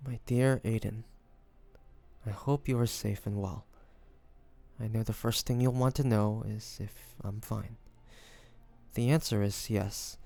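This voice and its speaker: A man playing a devoted, tender young man in an intimate fantasy audio roleplay, speaking softly and hesitantly. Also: on the low side, creaky. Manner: soft, hesitant, sighing speech. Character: devoted, tender young man, best friend of a dragon shifter.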